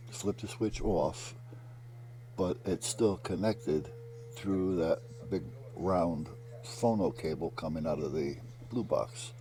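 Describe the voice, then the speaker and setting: Deep, mellow-voiced man explaining a repair. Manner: rambling, step-by-step explaining. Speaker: hobbyist narrating a repair project. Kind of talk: casual voice-over explaining a DIY wiring repair.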